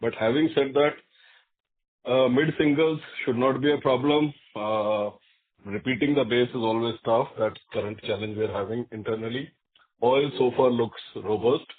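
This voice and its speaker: A man's voice: mid-range voice, normal speed, slightly rough. A man with an Indian accent, a company executive explaining business performance on a conference call. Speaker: company executive answering analysts. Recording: narrowband phone conference line.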